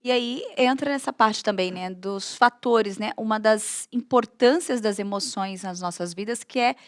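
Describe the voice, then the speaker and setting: A woman's voice: medium pitch, normal speed, no room sound, clean studio sound. A young adult woman with a Brazilian Portuguese accent, hosting a casual talk show and prompting her guest with questions. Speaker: host.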